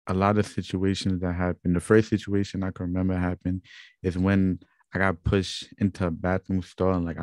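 A man's voice: low-pitched, darkish tone, no echo. A young man from Guyana with a Guyanese accent, earnestly recounting his own experiences as host of a vlog, with many fillers and restarts. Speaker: channel host. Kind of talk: personal testimony vlog.

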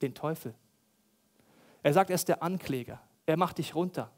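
A man with a fairly high voice delivers a sermon in a church hall. He is animated and provocative, acting out the prayers and voices he quotes, then driving his points home. He talks straight to the congregation. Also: normal speed. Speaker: pastor.

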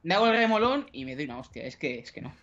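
A man's voice: a little high, big pitch swings, fast, a bit bright, lo-fi sound. Teasing young man. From Spain. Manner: teasing, joking, slangy. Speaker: gaming YouTuber. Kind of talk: casual gaming commentary.

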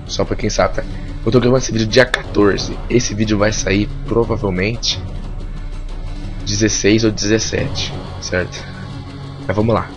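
A man's voice: on the low side, fairly even intonation, unhurried, long pauses, muffled recording, music in the background. A Brazilian man giving casual gameplay commentary in a strained voice, as if his tonsils are swollen and his throat inflamed. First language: Portuguese. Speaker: gamer narrating a let's play.

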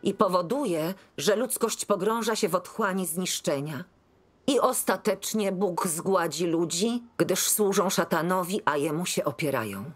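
A woman in a dubbed film, reading a religious passage aloud in a measured, solemn way. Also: lowish voice, lively intonation.

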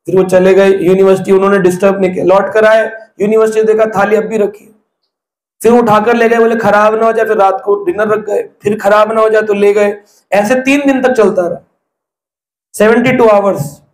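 A man's voice: high voice, steady tone, a little fast, reverberant. A man giving a devotional discourse, telling stories and asking the listeners rhetorical questions. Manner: storytelling, asks rhetorical questions. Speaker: preacher.

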